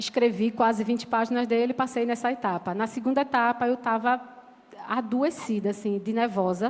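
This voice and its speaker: Her intonation is fairly even. The woman talks with a fairly high pitch. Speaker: university lecturer giving church testimony. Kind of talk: testimony. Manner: fast.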